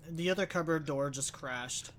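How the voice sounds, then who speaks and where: A woman's voice: sits low, unhurried, a little hiss or hum. A woman streamer giving casual commentary as she plays through a game. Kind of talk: casual let's play commentary.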